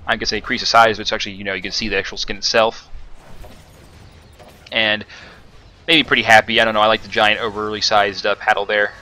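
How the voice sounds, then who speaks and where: A man talks through his own gameplay footage in an easygoing, rambling way. His voice sits a bit low, with a bright, forward edge to it. He stops often, with fillers and restarts. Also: little pitch movement, fast, pauses often. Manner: rambling, many fillers and self-corrections. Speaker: gaming commentator. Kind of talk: casual gameplay commentary.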